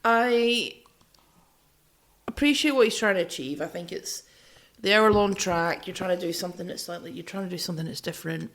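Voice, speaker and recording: Woman, lowish creaky voice, measured, casual podcast discussion. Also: fairly bright tone. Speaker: music podcast co-host.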